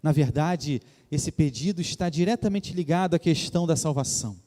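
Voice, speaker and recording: A man's voice: on the high side, expressive, normal speed, warm tone. A man from Rio de Janeiro preaching a sermon as pastor, earnest and reverent, often calling the congregation "dear ones". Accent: Brazilian Portuguese, Rio de Janeiro. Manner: addresses the congregation as "queridos" often. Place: church sanctuary. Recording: long church reverb.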